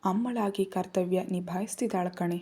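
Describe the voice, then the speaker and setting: A woman reading the lines of a young man, an elder brother, who speaks softly and fondly to his younger sister. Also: on the low side, fairly even intonation, normal speed, husky. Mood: tender.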